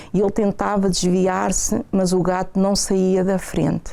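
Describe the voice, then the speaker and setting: Speaking fairly slowly, a woman uses a medium pitch and a dark, mellow tone. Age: 60s. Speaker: church member. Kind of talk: testimony. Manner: halting.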